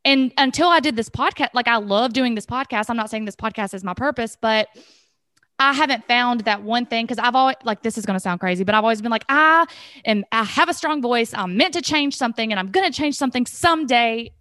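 A woman's voice: on the high side, fairly quick, sharp tone, dry recording, studio quality. A woman in her thirties hosting a podcast, talking candidly and chattily, laughing easily. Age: 30s. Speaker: podcast host. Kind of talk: casual podcast conversation.

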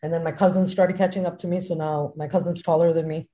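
A woman's voice: on the low side, flat delivery, quick pace, mellow. A woman co-hosting a casual podcast chat, telling a personal story in a candid, reflective way. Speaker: podcast co-host.

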